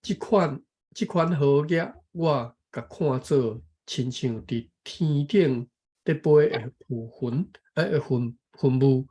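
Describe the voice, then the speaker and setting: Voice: mid-range voice, slow pace, warm tone, breathy edge. A speaker from Taiwan reading a text aloud and explaining it, careful and correcting pronunciation syllable by syllable. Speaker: co-host and reading teacher.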